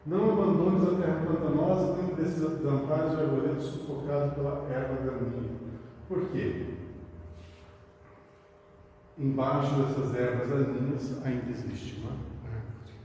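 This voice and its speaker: A man's voice: medium pitch, steady tone, a little slow, mellow, slight background noise. A man giving a spiritist study talk, reading short passages aloud and explaining them with rhetorical questions. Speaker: spiritist lecturer. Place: meeting hall of a spiritist center. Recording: echoey hall recorded from far off.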